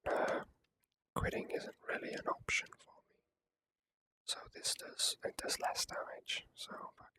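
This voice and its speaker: At a measured pace, a person whispers right up against the mic while gaming, offering ASMR commentary that rambles and hesitates.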